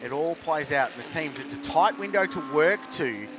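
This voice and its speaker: A man's voice: fairly high pitch, animated, moderate pace. A man giving live race commentary as a motorsport commentator. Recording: loud trackside car and engine noise. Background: race cars and outdoor ambience.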